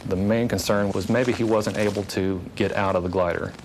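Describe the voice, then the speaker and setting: A man, a hang glider pilot, calmly recounting an accident he witnessed in an interview. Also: fairly low pitch, moderate pace, noisy background. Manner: calm, matter-of-fact recollection. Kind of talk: interview testimony.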